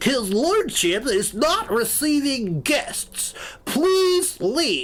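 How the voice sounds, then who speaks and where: Using a put-on character voice, a man speaks at a very slow pace at an extremely high pitch with very wide pitch swings. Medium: actual play. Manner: formal, stiff.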